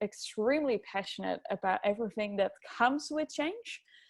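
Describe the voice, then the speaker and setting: A woman with a Dutch accent speaks at a moderate pace against a quiet background. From Netherlands. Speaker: agile coach. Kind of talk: webinar presentation.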